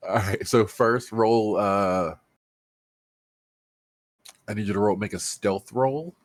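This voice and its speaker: A man's voice: lowish voice, takes it slowly. A man narrating as game master of a tabletop game, speaking with many hesitant fillers and restarts.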